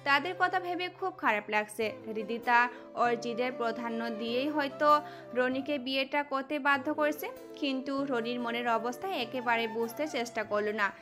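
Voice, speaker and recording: A woman's voice: on the high side, moderate pace. A woman reading a scripted dramatic story as the narrator of an audio drama. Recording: music under the voice.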